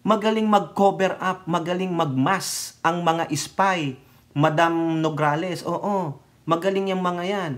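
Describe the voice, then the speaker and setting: A man from the Philippines giving casual political commentary on his vlog, talking straight to his viewers in a lively, mocking way. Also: high voice, slow.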